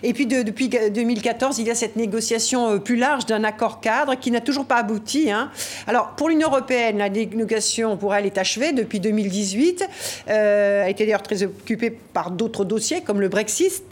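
A woman's voice: fairly high pitch, fairly quick. A woman interviewing a guest, guiding the questions with many filler sounds.

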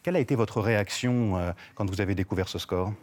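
Low-voiced male interviewer asking long questions. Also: fast talker, a little mellow. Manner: long, winding questions with many fillers. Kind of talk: broadcast interview.

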